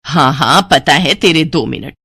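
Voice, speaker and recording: A woman's voice: low-pitched, a little slow, creaky, bright, forceful tone, slightly rough, no room sound, pitched below the performer's own voice, exaggerated voice. A woman voicing an exasperated, scolding middle-aged mother in a storybook tale. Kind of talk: storybook voice acting.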